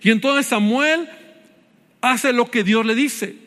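A man's voice: very high voice, slow, bright, forceful tone, big-room sound. A man with a Mexican Spanish accent preaching a sermon as pastor, addressing his listeners as brother.

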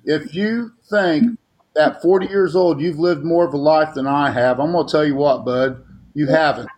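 A man's voice: on the high side, normal speed, darkish tone, rough recording. A man in his late fifties, a talk show guest, speaking bluntly and defending himself with emphasis. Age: 50s. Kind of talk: heated talk show argument.

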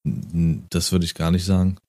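A man's voice: sits low, level tone, normal speed, gravelly, warm tone, no echo, studio quality. A man chatting casually on a podcast, blunt and fond of swearing, often laughing. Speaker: podcast co-host.

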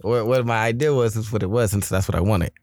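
A man's voice: on the low side, fast, a little mellow, dry recording, clean studio sound. A man co-hosting a casual podcast chat, blunt and profane, telling stories with animation. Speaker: podcast co-host.

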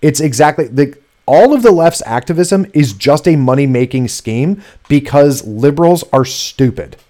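A man's voice: on the high side, lively intonation, moderate pace, dark tone. A man hosting a political talk show in a casual, sarcastic way, swearing freely and mocking his targets. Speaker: podcast host.

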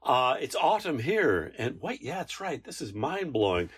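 A man's voice: medium pitch, sing-song, unhurried, husky. A man co-hosting a podcast, chatting casually and rambling with many fillers and restarts. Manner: rambling, hesitant, lots of fillers. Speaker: podcast co-host. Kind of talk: casual chat. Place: Alaska.

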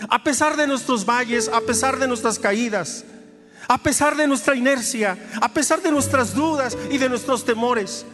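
High-voiced male pastor in a reverberant church. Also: normal speed, music in the background. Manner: earnest, heartfelt testimony building to fervent exhortation. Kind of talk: sermon. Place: church sanctuary. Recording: long reverb of a church hall.

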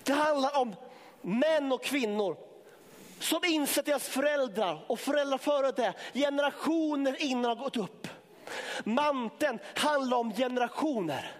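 A man preaching a sermon to his congregation, impassioned, building up to shouting and then dropping low. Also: lively intonation, long reverb tail. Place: church sanctuary.

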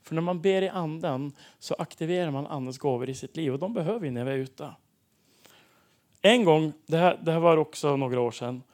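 A man preaching and telling testimony stories in a lively way, acting out the dialogue of the people in them. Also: a little high. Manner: animated, acts out dialogue in stories. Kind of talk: sermon testimony storytelling.

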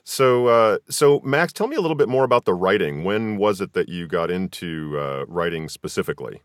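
Very deep-voiced man hosting. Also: animated, moderate pace, dry recording, studio quality. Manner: affirming, encouraging. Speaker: podcast host. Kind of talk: casual interview.

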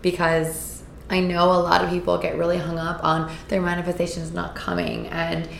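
Woman host, hoarse from a cold, gravelly low voice, earnest and upbeat, roomy echo. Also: completely flat delivery, normal speed, a little hiss or hum. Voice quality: raspy. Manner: upbeat, earnest, with filler words. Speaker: podcast host. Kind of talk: casual solo podcast talk. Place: indoors in Costa Rica.

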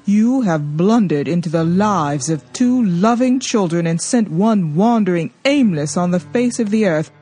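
A woman doing a stern, calm older teacher. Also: fairly low pitch, unhurried, hardly any pauses, slightly rough, faint music behind. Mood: stern rebuke. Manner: firm, steady, commonsense.

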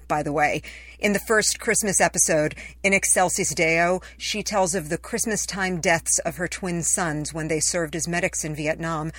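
A woman's voice: on the low side, a bit bright, no room sound, clean studio sound. A woman reading her own written essay in a conversational, personal storytelling manner. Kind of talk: scripted first-person essay narration.

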